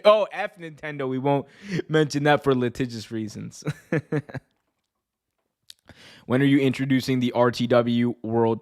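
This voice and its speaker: A man with a North American accent hosts a casual livestream, chatting with viewers in slangy, sweary language and often breaking into laughter. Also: medium pitch. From United States. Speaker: wrestling show host and livestreamer. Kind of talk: casual livestream chat reacting to viewer comments.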